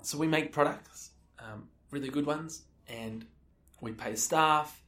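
A man's voice: a little high, slow, fairly bright tone. A thirty-year-old Australian man giving casual, informal answers as an interview guest. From Melbourne, Australia. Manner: informal, conversational, peppered with "like" and "you know". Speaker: interview guest, social enterprise co-founder. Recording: echoey room, distant from the mic.

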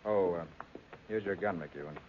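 An actor playing a calm, matter-of-fact master detective with an authoritative manner in a 1940s radio crime drama. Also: male voice, low voice, moderate pace, a little hiss or hum, natural voice. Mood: reassuring. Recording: muffled, hazy 1940s radio recording.

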